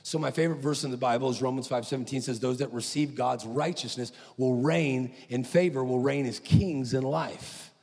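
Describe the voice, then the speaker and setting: A man preaching at a conference, telling a story with animated, acted-out quotes. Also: medium pitch, moderate pace, few pauses, slightly rough. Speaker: conference speaker. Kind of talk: preaching sermon. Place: large conference hall. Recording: echoey hall.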